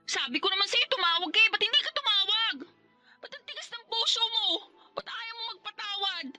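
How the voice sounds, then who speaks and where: A woman's voice: very high-pitched, lively intonation, brisk, sharp tone, soft background music, heavily acted. A woman playing a loyal young niece who pleads earnestly in a radio romance drama. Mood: distraught, accusing. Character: pleading, loyal young niece defending her heartbroken aunt.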